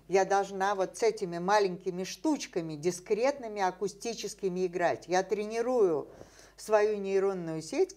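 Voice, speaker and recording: A woman's voice: mid-range voice, a little mellow. An older woman, a scientist guest in an interview, explaining ideas at length with many fillers and rhetorical questions, seated in a dim indoor room.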